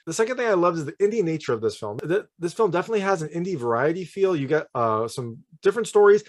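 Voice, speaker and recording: A man's voice: a little high, very animated, fast. A man hosting a casual video movie review, talking in a chatty, informal and emphatic way. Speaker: film reviewer and channel host.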